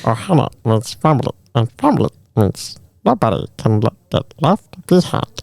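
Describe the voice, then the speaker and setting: In a put-on character voice, a man talks in a raspy, medium-pitched voice at a moderate pace. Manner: earnest, heartfelt.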